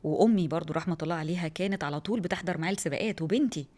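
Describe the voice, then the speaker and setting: A woman in her thirties with an Egyptian Arabic accent, a rally driver telling her story in a lively, excitable way as an interview guest. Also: on the low side, racing. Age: 30s. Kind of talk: casual interview talk.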